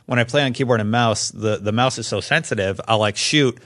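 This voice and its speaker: A man's voice: mid-range voice, a little fast, a bit bright. A man chatting casually about video games as a podcast panelist.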